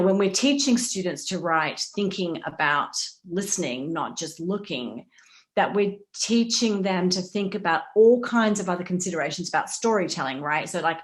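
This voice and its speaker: A woman moderating a panel discussion in a conversational way, thinking aloud in qualified, exploratory phrases. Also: on the low side.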